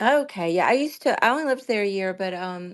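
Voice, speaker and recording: Against a quiet background, a woman speaks with a Southern US accent. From US South. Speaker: co-host. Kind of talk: casual chat.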